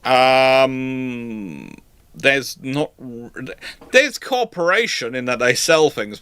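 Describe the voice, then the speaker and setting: A man's voice: mid-range voice, bright, forceful tone. Man hosting a rambling livestream Q&A. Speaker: host of a live naval history Q&A. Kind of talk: casual livestream chat answering questions.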